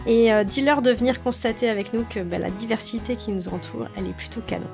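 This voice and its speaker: A woman's voice: a little high, steady tone, fast, creaky, music in the background. A woman hosting an interview podcast, chatting casually with many fillers and speaking straight to the listener. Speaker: podcast host.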